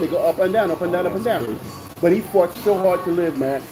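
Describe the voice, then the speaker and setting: Over background music, a man talks at a very fast pace in a high pitch with ordinary pitch variation. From Panama. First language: Spanish. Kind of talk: casual chat.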